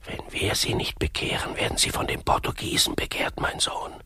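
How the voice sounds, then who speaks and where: An actor in a satirical radio play, playing a worldly, scheming Catholic priest with an unctuous, paternal, probing manner. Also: male voice, moderate pace, in a whisper, close to an everyday voice. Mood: scheming, hushed.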